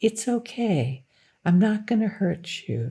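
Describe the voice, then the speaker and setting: A woman with a dark, mellow, somewhat breathy tone speaks at a very slow pace with lively intonation. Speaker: psychotherapist. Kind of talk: clinical demonstration. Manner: soft-spoken.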